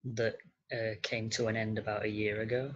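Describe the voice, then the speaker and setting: Slightly husky, low-pitched man, hesitant and understated. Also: little pitch movement, moderate pace, a bit bright, muffled recording. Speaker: podcast guest, model and actor. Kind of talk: casual interview chat.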